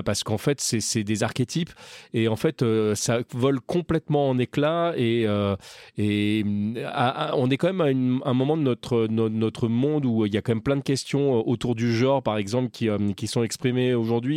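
Male podcast host, mid-pitched, halting delivery, dry close recording. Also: a little mellow, no room sound. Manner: hesitant, lots of restarts and fillers. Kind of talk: casual podcast chat.

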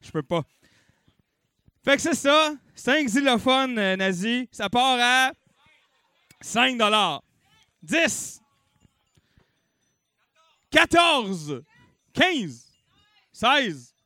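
A man's voice: very high-pitched, drawn-out words, pauses often, clear, resonant tone, no room sound, clean studio sound. A young Québécois man hosting a comedy-night auction, bellowing bids and cracking jokes between them. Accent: Québécois French. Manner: bouncy and animated, bellowing bids, jokey asides. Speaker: auctioneer and comedy show host.

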